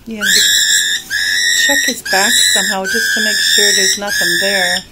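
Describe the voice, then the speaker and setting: A woman's voice: medium pitch, fairly even intonation, unhurried, roomy sound, distant mic, very noisy. A middle-aged woman, a pet vlogger explaining things in a casual, chatty way.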